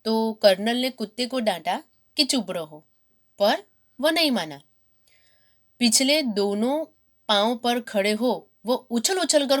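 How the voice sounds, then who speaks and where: A woman teacher reads a textbook story aloud, then repeats and paraphrases each sentence for students. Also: on the high side. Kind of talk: reading and explaining a textbook story.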